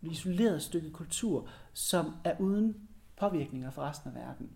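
Here a man speaks with a dark, mellow tone and a high pitch. His intonation is lively. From Denmark. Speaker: musician and poet. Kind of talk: interview. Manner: halting, many repetitions and fillers.

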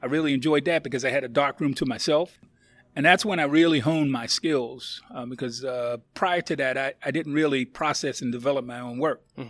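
A man with an American accent and a plain, everyday voice talks at a fairly quick pace with fairly high pitch and fairly even intonation. The recording is very clean, with a silent background. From Philadelphia, Pennsylvania. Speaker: heritage center director and former activist. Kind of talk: interview.

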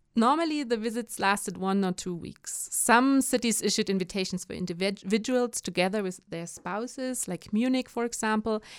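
Barely pausing, a woman speaks with fairly high pitch and ordinary pitch variation. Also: moderate pace. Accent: German. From northern Germany, Hamburg. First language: German. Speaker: historian. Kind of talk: interview.

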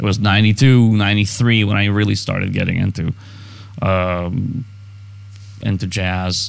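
A man's fairly low voice at a very slow pace, with long, frequent pauses, fairly even intonation, and noticeable background noise. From Ukraine, then Israel. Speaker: musician. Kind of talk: casual chat.

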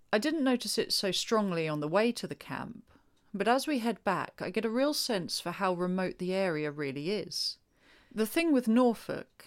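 The tone of this woman's speech is serious. Her pitch swings very widely. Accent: British. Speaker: true crime podcast narrator. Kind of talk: scripted true-crime narration, read from researched script. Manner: measured, serious, even-paced storytelling; formal, descriptive, atmospheric.

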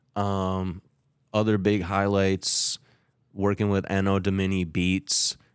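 A man with an American accent talks very slowly in a flat monotone, the sound dry and close with no echo on a very clean recording over a silent background. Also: fairly low pitch for a man. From Milwaukee, Wisconsin (Bay View). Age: 40s. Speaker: music producer and DJ. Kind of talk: casual interview chat.

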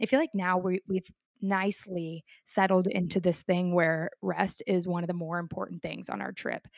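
This woman has an ordinary speaking voice, fairly low in pitch, with fairly even intonation at a moderate pace. The recording is dry and close, without any echo. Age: 20s. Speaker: podcast co-host. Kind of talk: casual chat.

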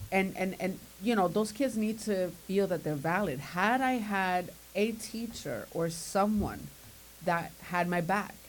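A woman talks at a fairly slow pace. Her voice is medium in pitch with ordinary pitch variation. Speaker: guest, group administrator. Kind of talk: casual radio chat.

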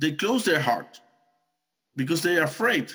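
Here a man talks with a Spanish accent. His intonation is lively. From Chile. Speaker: missionary. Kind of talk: presentation.

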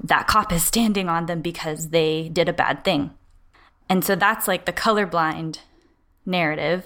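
In an American accent, a woman with a fairly low pitch and a bright, sharp tone speaks at a fairly slow pace with fairly even intonation. She leaves long, frequent pauses. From Texas, Dallas-Fort Worth area. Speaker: podcast co-host, PhD student. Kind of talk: casual discussion.

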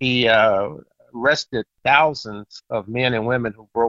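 The man speaks with an American accent at a moderate pace and medium pitch. He has an unremarkable speaking voice. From Chicago, with teen years in Oklahoma. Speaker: author and historian. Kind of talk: interview.

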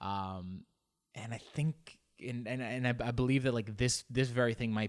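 A man with a Californian accent speaks at a moderate pace and medium pitch on a very clean recording with a silent background. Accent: Californian American English. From Los Angeles, US. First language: Spanish. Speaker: comedian podcast host. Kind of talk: casual solo monologue.

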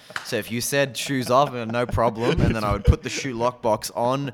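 A man speaks at a moderate pace in an Australian accent, his pitch medium, with noticeable background noise. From Sydney, Australia. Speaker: comedian. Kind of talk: casual chat.

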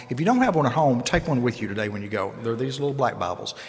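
A man talks very fast with a Kentucky accent and a medium pitch. His pitch varies in an ordinary way, and there is noticeable background noise. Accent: Southern US (Kentucky). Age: 60s. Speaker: lay preacher. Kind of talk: sermon. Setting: church. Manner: halting.

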